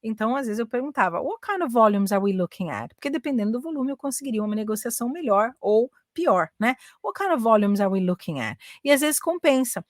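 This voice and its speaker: A woman's voice: on the high side, lively intonation, fairly quick, few pauses, no echo, studio quality. A middle-aged Brazilian woman teaching English in a chatty lesson, switching between Portuguese and English and often checking in with "né?" and "ok?". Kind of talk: casual bilingual English lesson.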